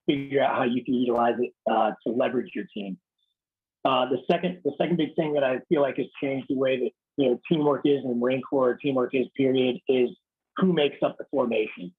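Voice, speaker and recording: Man: raspy thirties officer, blunt and casual, thin phone-like audio on a video call. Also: mid-range voice. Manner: blunt, casual, swears lightly. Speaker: Marine Corps officer speaking to a unit. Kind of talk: informal leadership talk on a video call.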